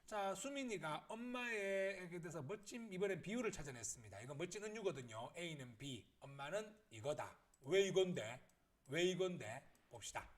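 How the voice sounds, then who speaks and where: A man teaching a lesson, talking through children's poems. His pitch swings widely as he keeps asking the listener to agree. His voice sits a little high for a man. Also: normal speed, few pauses. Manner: animated, asks the viewer to agree. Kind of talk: lesson video, reading and explaining pupils' poems.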